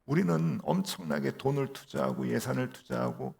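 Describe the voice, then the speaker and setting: 목사가 흉내 내는 우쭐대는 미국 우주인 남자. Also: male voice, medium pitch, moderate pace, creaky, darkish tone, voice pushed up. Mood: smug. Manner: mocking, condescending questions. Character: boastful male American astronaut, smug and condescending.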